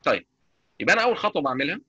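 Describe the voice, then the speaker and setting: A man with an Egyptian Arabic accent teaching a live online software lecture, chatty and constantly checking that his students follow. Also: a little high, big pitch swings, racing, breathy edge, dry recording. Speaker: software instructor. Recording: dull lo-fi mic.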